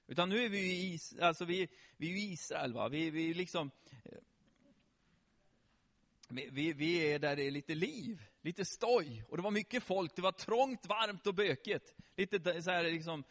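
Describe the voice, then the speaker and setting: Animated, bright-voiced man telling a Bible story. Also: fairly high pitch. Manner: animated, asks the children questions. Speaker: children's preacher. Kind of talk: lively Bible storytelling to children.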